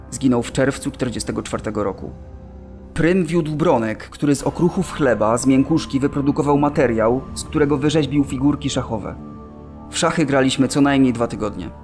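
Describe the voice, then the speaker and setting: An actor playing a solemn camp survivor, remembering in a deliberate, reflective radio drama monologue. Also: male voice, medium pitch, darkish tone, soft background music, natural voice.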